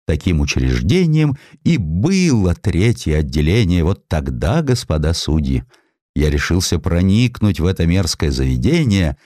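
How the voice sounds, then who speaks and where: A man voicing an idealistic clerk on trial in an audio drama, speaking in earnest, deliberate, quietly defiant oratory. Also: sits low, no echo, studio quality.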